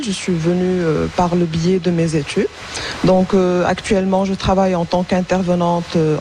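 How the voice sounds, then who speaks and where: A woman's voice: lowish voice, dark tone, a little hiss or hum. A young woman whose first language is Arabic, answering radio interview questions hesitantly with many fillers and restarts. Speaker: interview guest, school support worker.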